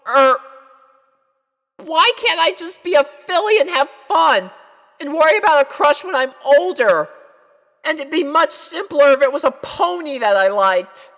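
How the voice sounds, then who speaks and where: A woman's voice: sits high, a bit bright, voice pushed up, exaggerated voice. A woman voicing an anxious, lovesick young unicorn filly in a story reading, plaintive and easily flustered. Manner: plaintive, flustered, hesitant with stammers.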